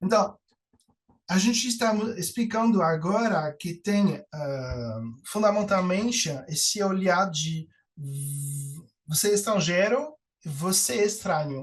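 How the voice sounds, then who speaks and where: A high-pitched man talks with lively intonation. His pace is very slow. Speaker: lecturer. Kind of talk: lecture. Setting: online lecture. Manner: halting, with many fillers.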